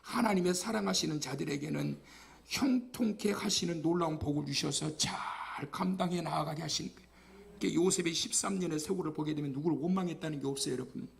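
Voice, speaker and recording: A male guest pastor preaching a lively sermon at a Friday night church service, joking and having the congregation repeat phrases after him. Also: fairly high pitch, quick pace, vocal fry.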